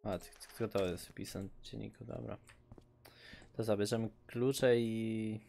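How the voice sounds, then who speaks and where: A man's voice: lowish voice, fairly even intonation, unhurried, gravelly, dark tone. A man giving loose, casual commentary over a game he plays, joking and swearing as he goes. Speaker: gaming streamer. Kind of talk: casual let's-play commentary.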